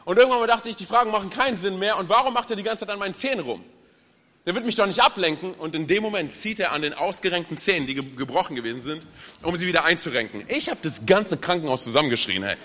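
A young man preaching as a guest speaker in a church, energetic and chatty, joking with the audience. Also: sits high, fast, long reverb tail. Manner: energetic, chatty, tells jokes. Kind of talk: sermon. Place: large church hall with audience.

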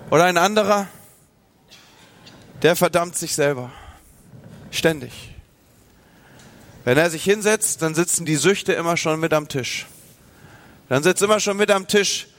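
A man preaching a sermon, from northern Germany, talking straight to his listeners and acting out their inner voices. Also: high voice. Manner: lively, speaks to the listener directly, acts out inner voices. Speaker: pastor.

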